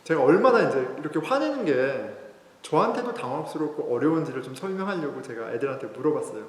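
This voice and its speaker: A male pastor delivers a sermon as if chatting with his congregation, sharing a story from his own week. His voice sits a little high for a man and moves freely up and down. The sound carries a roomy, echoing reverb from a church hall. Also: big pitch swings, fast. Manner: conversational, telling a personal story. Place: church sanctuary.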